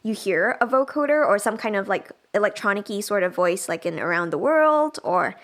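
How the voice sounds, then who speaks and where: A woman's voice: medium pitch, expressive, normal speed. A woman trainer teaching music production in a casual, chatty livestream style, thinking aloud as she demonstrates. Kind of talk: casual livestream software tutorial.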